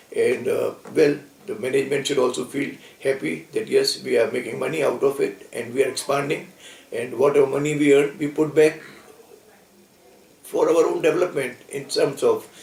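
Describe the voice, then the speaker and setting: Noticeable background noise surrounds a man who leaves long, frequent pauses. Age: 80s+. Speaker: company managing director. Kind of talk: interview. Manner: hesitant with fillers.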